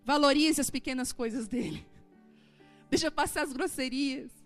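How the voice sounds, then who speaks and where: A woman's voice: sits high, moderate pace, soft background music. A woman in her forties, a pastor, preaching a sermon in a church and acting out dialogue as she tells stories. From southern Brazil. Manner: animated storytelling, acting out dialogue. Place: church hall.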